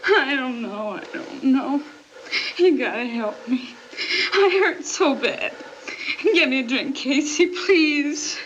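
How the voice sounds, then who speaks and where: A woman's voice: high voice, expressive, takes it slowly, a bit bright, slight background noise, heavily acted. An actress playing a sick, frightened alcoholic woman in withdrawal, pleading frantically. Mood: desperate. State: distraught, in withdrawal. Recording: dull old film soundtrack with faint music.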